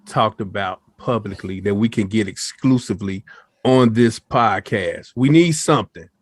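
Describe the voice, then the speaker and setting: A man in his forties co-hosts a podcast in loose chat. His voice is fairly low with a dry, close sound, and he repeats short phrases with enthusiasm. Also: moderate pace, no room sound. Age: 40s. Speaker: podcast co-host.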